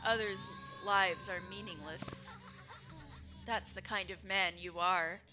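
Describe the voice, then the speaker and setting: A woman voicing a cold, mocking inner voice that taunts slowly and quietly. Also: mid-range voice, steady tone, music in the background, natural voice, poor audio. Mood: taunting. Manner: slow, sneering, quiet.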